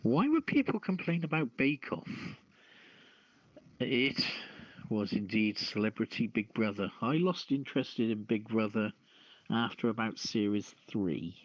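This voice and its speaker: A man's voice: lowish voice, sing-song, a little slow, no echo. A man casually hosting a quiz as the question master. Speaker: quiz host. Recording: dull lo-fi dry audio.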